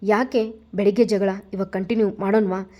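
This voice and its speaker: A woman's voice: mid-range voice, steady tone, normal speed, highs cut off, natural voice. A woman voicing a teasing, caring young husband who is a police officer, in a spoken story. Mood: teasing tender.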